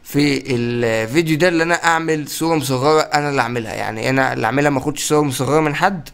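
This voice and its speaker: A young man with an Egyptian accent giving excited let's-play commentary, often exclaiming and laughing. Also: mid-range voice, racing, vocal fry, clean tone. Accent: Egyptian Arabic. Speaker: gaming YouTuber.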